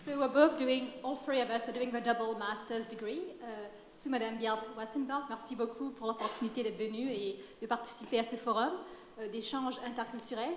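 Young woman from mauritius, student, lots of euhs, slightly high voice, echoey hall w faint hum. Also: fairly even intonation, moderate pace. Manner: hesitant, many fillers, switches languages. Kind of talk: audience testimony.

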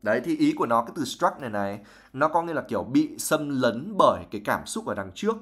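A young man, a native Vietnamese speaker, teaches English vocabulary to his live-stream viewers. He works through a novel passage by passage, reading aloud and then explaining each word in a chatty, patient way. His voice sits at an ordinary middle pitch. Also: sing-song, fast, a bit bright, husky. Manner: reads passages, then explains words at length.

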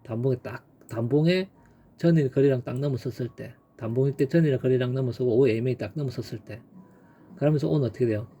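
A man's voice: mid-range voice, fast, mellow, a little hiss or hum. Emphatic man explaining stock charts. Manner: emphatic, repetitive, peppered with sound effects like "빵" and "빡". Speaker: stock trading instructor. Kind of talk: casual screen-share chart lesson.

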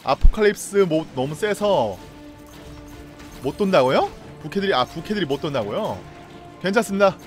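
A young man streaming a game live, reacting loudly, laughing and greeting viewers. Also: a little high, animated, normal speed, long pauses, soft background music.

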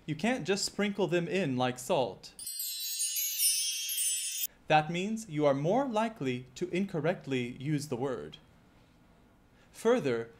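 A man with a slightly raised voice teaches an exam-prep lesson. He speaks in a clear, measured, scripted way and often asks the viewer rhetorical questions. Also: on the high side, darkish tone. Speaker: IELTS teacher.

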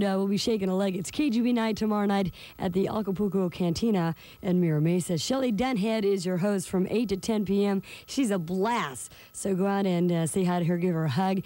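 Female American rock radio DJ, thirties: playful, chatty, relaxed tone, dry close-miked studio sound. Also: medium pitch, dry recording. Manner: breezy, playful, slangy. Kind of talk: upbeat rock radio presenting, chatty patter. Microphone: close studio microphone on boom arm.

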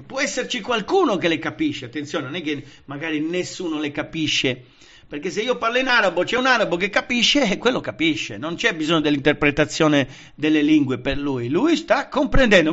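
A man's voice: on the high side, dull audio. A man preaching a Pentecostal Bible study, emphatic and engaging, often checking that his listeners follow. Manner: lively, emphatic, often asks the listeners "vedete?" and "capite?"; frequent fillers and restarts.

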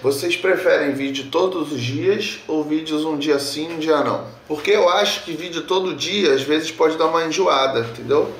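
A man's voice: on the high side, normal speed, hardly any pauses, distant mic, a little hiss or hum. Young man with a sore throat. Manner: slangy, talks straight to camera. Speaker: vlogger. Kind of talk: casual vlog chat. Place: outdoors against a sunny wall.

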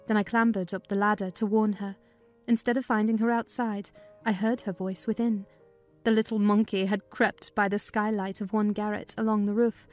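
Woman, audiobook narrator, mid pitch, dramatized storybook reading, faint background music. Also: a little mellow.

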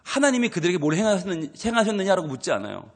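A man preaching a sermon at a dawn prayer service, lively and animated, acting out scolding voices. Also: high voice, very fast. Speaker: pastor. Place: church sanctuary. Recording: long hall reverb.

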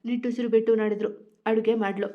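A woman narrating a romantic story in a steady, flowing storytelling style. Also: fairly high pitch, brisk, highs cut off.

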